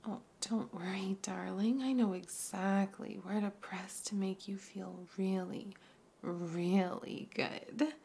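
A woman in a whispered adult ASMR roleplay, speaking close to the microphone in a breathy, coaxing hush broken by soft hums. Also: medium pitch, steady tone, a little hiss or hum. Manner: slow, coaxing, intimate delivery.

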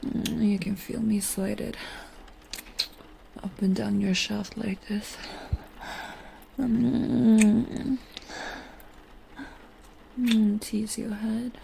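Slow, gravelly-voiced woman whispering softly. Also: mid-range voice, level tone, a little hiss or hum, rough recording. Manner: soft, seductive, teasing whisper. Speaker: audio roleplay performer. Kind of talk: intimate whispered audio roleplay.

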